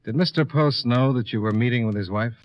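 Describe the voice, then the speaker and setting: An actor playing a wry American insurance investigator in an old radio detective serial, with dry, clipped questioning and narration. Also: male voice, medium pitch, fairly quick, dry recording, close to an everyday voice. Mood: probing, dry. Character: wry, probing male insurance investigator narrating his case. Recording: dull, lo-fi old radio recording.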